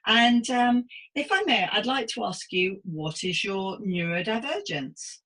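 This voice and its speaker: A woman of around sixty, a psychotherapist who hosts an interview podcast, speaks in a mid-range, slightly bright voice with lively intonation and a measured pace. She moves from a scripted intro into chatty interview hosting, sounding encouraging, polite and effusive.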